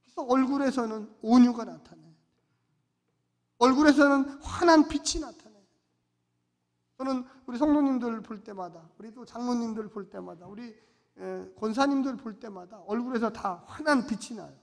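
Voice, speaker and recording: A man preaching a sermon as pastor, emphatic, repeating rhetorical questions and swinging between loud and soft delivery. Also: extremely high pitch, moderate pace. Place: church sanctuary. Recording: long church reverb.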